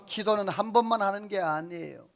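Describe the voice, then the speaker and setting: A man preaches from the pulpit in a high voice. He keeps tossing questions to the congregation and waiting for them to answer back. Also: brisk, gravelly, a bit bright. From South Korea. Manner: call-and-response preaching, quizzing the congregation. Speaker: senior pastor. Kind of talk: sermon.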